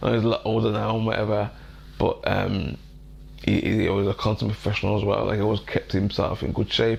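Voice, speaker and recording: A man with a strong Birmingham accent speaks at a fairly quick pace, his loudness very even throughout. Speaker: boxing commentator / YouTuber. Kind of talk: casual vlog commentary. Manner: halting, many fillers and restarts.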